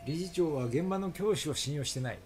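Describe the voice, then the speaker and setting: A man's voice: a little high, lively intonation, a little fast, a little mellow, soft background music. A man giving casual commentary as he streams a game, sometimes reading choices aloud.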